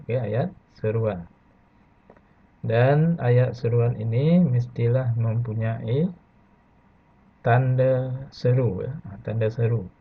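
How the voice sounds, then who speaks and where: Malaysian guy teaching little kids online, keeps saying ya, kinda husky, sounds like a phone line. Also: mid-range voice. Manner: slow, patient, adds "ya" after nearly every phrase. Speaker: primary school teacher. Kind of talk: online lesson for young pupils. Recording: phone-like lo-fi audio.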